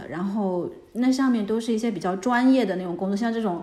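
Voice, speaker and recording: A woman talks at a fairly quick pace, her fairly high voice somewhat breathy with a dark, mellow tone. Room echo can be heard. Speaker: immigrant parent in Australia. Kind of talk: casual chat.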